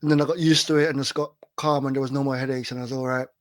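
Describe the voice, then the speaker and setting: A man's voice: medium pitch, flat delivery, rapid-fire. A man co-hosting a wrestling podcast, telling stories casually and laughing as he talks. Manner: laughs through his stories. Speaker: co-host.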